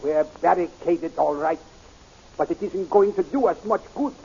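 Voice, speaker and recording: A man's voice: on the high side, moderate pace, gravelly, dark tone, breathy edge. An actor playing a grave, fatherly older scientist with formal, stilted phrasing in a 1930s radio serial. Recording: muffled 1930s radio recording.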